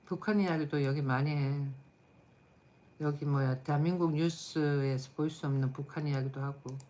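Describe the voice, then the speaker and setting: A woman's voice: low voice, fairly even intonation, normal speed, mellow. A middle-aged woman hosting a live stream, chatting casually and bluntly with viewers while tired. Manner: blunt, chatty, answers chat comments aloud.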